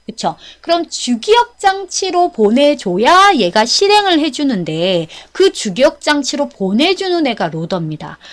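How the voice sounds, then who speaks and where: A woman instructor giving a step-by-step explanatory lecture, checking in with listeners through short questions. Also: high-pitched. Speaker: instructor of a certification exam course.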